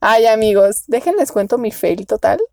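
A woman's voice: fairly high pitch, animated, normal speed, gravelly, darkish tone, no echo. A young woman with a Mexican accent tells a dating story in casual chat, laughing often and squealing when she quotes herself. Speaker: podcast co-host.

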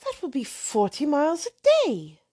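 A woman voicing a shy, earnest young woman who speaks softly and hesitantly. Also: sits high, very animated, moderate pace, voice pushed up. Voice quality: soft, hesitant.

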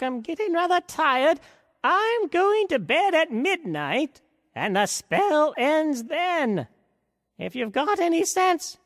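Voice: very high voice, clean studio sound, pitched above the performer's own voice, full character voice. A storyteller voicing a fussy, tired old fairy godmother who dithers and frets, with a long hall reverb behind the voice. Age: older. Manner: dithering, flustered, chatty.

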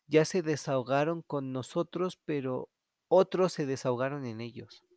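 A man's voice: medium pitch, normal speed, a little mellow, clean tone, no echo, clean studio sound. A man hosting a solo podcast, speaking in a candid, reflective, confessional way. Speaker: podcast host.

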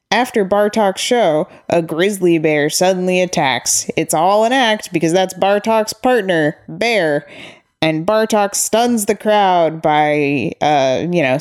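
Woman podcaster, slightly low voice, dry opinionated film takes, swears a bit. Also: darkish tone. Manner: wry, opinionated, profane asides. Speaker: podcast co-host. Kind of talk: casual chat reviewing an animated film.

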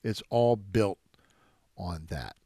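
A man's voice: low voice, expressive, takes it slowly, warm tone, breathy edge, no room sound, clean studio sound. A man who is a jazz drummer and music teacher, answering interview questions in a reflective storytelling way with frequent restarts.

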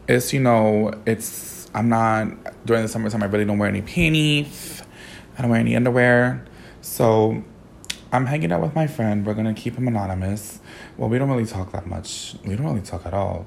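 A hoarse young man with a sassy, campy manner, telling a personal story as a podcast host while sitting in a car. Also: fairly low pitch, a little mellow, a little hiss or hum. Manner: sassy, campy, swears a lot. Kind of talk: casual storytelling monologue.

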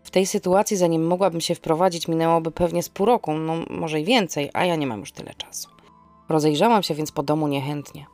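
A woman's voice: sits low, fairly quick, darkish tone, soft background music. A woman hosting a podcast and narrating a scripted first-person story in a wry, theatrical manner.

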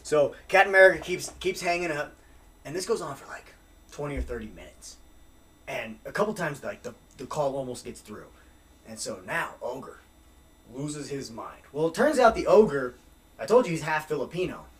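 A man telling a wild story as a podcast guest, animated and profane, acting out what people said. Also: fairly high pitch, moderate pace. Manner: animated, profane, acts out quotes. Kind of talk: casual storytelling.

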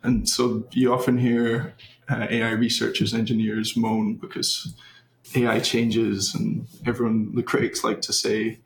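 A young Scottish man, a research engineer, explaining things as an interview guest in a relaxed, thoughtful way with fillers. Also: on the low side, unhurried, slight background noise. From Scotland. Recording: roomy echo.

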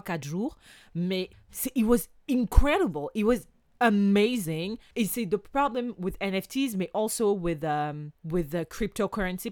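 Low-voiced woman, dry sound. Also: no echo. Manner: lively, switches between French and English mid-sentence. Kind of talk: casual chat.

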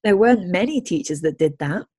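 A woman's voice: fairly low pitch, lively intonation, a little fast, dark tone, slightly rough. A woman who works as a language consultant, hosting a casual interview and thinking aloud in a friendly way. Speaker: language consultant and podcast host.

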